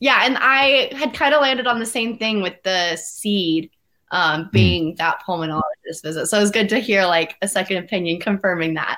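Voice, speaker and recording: A woman speaks at a moderate pace with a bright, sharp tone and medium pitch. Her intonation is lively. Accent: American. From Georgia, US South. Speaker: premed student. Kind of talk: advice-seeking call.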